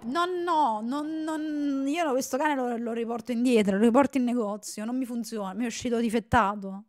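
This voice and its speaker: A young woman streamer giving casual live commentary on a horror game, excitable, joking and yelling threats at the characters on screen. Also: on the high side, normal speed. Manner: excitable, yells and jokes at the game.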